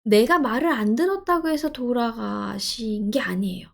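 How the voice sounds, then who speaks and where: A woman giving gentle, soothing advice, speaking softly and letting her phrases trail off quietly. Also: fairly high pitch, moderate pace, creaky. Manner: gentle, soothing, acts out inner speech in quotes. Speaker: counselor answering a viewer's question. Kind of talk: advice talk to camera.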